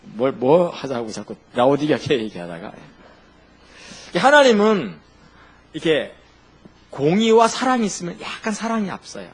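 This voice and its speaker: A man's voice: a little high, wildly swooping pitch, normal speed, pauses often, breathy edge. A man preaching a sermon as a pastor, asking the congregation questions and answering them himself.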